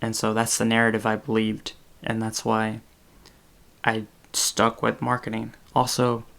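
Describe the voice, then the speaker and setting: A man's voice: on the low side, monotone, unhurried, creaky, fairly bright tone. A man in his twenties, a podcast host talking in casual chat on a video call, rambling with many fillers and self-corrections. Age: 20s. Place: small room indoors.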